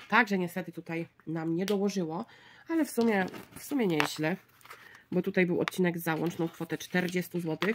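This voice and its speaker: Noticeable background noise fills the recording. Through it, a woman talks at a fairly low pitch. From Poland. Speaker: YouTuber scratching lottery tickets; lottery ticket vlogger. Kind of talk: casual vlog chat. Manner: chatty, lots of fillers. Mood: calm, mildly disappointed. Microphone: phone near.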